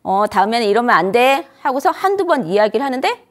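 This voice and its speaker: A woman's voice: a little high, sing-song, fast. A middle-aged woman giving an earnest parenting lecture to grandparents, asking the audience questions and answering them herself.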